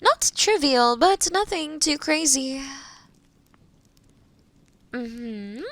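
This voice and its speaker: A woman playing a kind forest witch in a roleplay audio drama, explaining things gently and thoughtfully to the listener. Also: high voice, animated, very slow, no echo, heavily acted. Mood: eager, reassuring.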